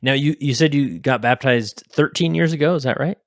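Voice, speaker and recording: A man's voice: medium pitch, fairly quick, no echo, studio quality. A man hosting a podcast interview in a casual, upbeat way, with loose fillers like "you know.".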